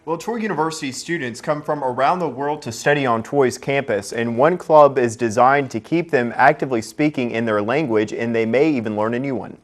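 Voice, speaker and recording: A man's voice: medium pitch, brisk, hardly any pauses. A young man anchoring a student newscast, reading scripted stories with occasional slips and restarts. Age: young adult. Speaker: news anchor.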